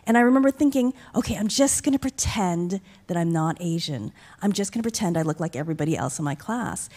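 A middle-aged woman from upstate New York, an author speaking earnestly in an onstage conversation into a stand microphone. She talks reflectively and gets animated when she quotes other people. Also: lowish voice, quick pace. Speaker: author guest. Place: stage with curtain backdrop, library event. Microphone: mic on a stand.

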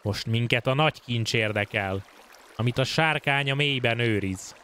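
A Hungarian man casually commenting on his own gameplay, excitable and prone to swearing and yelping at in-game scares. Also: mid-range voice, a little hiss or hum. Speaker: gaming streamer. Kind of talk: casual let's-play commentary.

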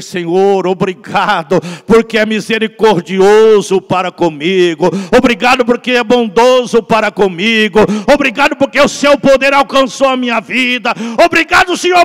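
A fervent Brazilian pastor in his sixties preaches from the pulpit, his voice riding very high and ringing bright. He swings from loud shouted refrains to hushed low lines. The sound carries a long church reverb. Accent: Brazilian Portuguese. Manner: preaching with swelling shouts and quiet drops. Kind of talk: Pentecostal sermon. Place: large church sanctuary at a pulpit. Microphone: pulpit microphone.

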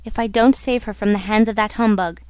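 A woman's voice: mid-range voice, fairly even intonation, a little fast, darkish tone, clean tone, no echo, natural voice. A woman voicing an ardent, jealous young man in a storybook, speaking in an urgent, challenging, dramatic way. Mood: angry, determined. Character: ardent, jealous young male suitor, impatient and protective.

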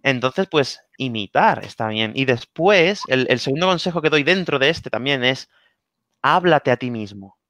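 In a relaxed online interview, a Spanish guest from Spain offers language-learning advice, animated and repeating key phrases while checking in with "¿vale?". His mid-range voice is bright and forceful at a moderate pace, recorded dry and close with no room sound.

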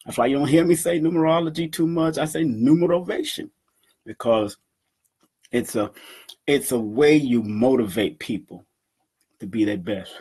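Man in his 50s, husky voice, animated, laughing, webcam in a home room. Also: medium pitch, normal speed, long pauses. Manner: animated, laughing, boastful, talks with his hands. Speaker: event organizer and numerology teacher. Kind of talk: casual talk to camera. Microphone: webcam at desk.

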